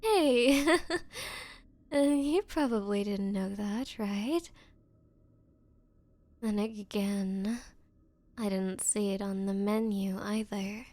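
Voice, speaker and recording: A woman's voice: medium pitch, drawn-out words, pauses often, a little mellow, no room sound. A woman playing an obsessive, clingy yandere on a date in an ASMR roleplay, stammering and pleading with nervous giggles.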